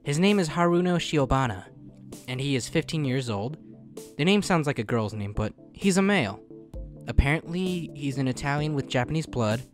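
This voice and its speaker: A man's voice: a little high, animated, normal speed, close to an everyday voice. A man voicing a polite, earnest, easily flustered teenage boy in a comic fan dub. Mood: matter-of-fact narration. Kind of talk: fan-dub narration and dialogue. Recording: music behind the voice.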